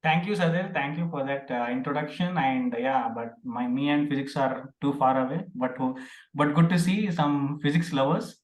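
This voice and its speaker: A man's voice: fairly high pitch, normal speed, roomy sound, rough recording. A man presiding over an online speaking club meeting, welcoming guests with a friendly tone and frequent fillers. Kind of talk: chairing a meeting. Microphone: video call.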